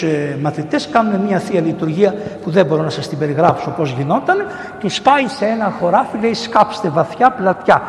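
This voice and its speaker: A middle-aged male priest delivers a storytelling sermon, slipping into the voices of the people in his tales. His voice sits high and moves in wide, animated swings. The sound carries the long reverb of a large church. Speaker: priest and missionary preacher. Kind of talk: sermon retelling saints' stories.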